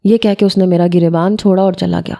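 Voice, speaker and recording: A woman's voice: lowish voice, steady tone, vocal fry, mellow. A woman narrating a first-person audio story as a schoolboy.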